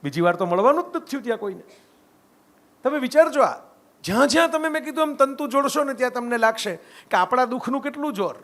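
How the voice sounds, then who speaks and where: This is a middle-aged Gujarati man from India whose voice is very high-pitched, animated, and fairly bright, moving at a quick pace. In a storytelling public talk, he mixes anecdotes and reflection conversationally, often asking listeners "right?"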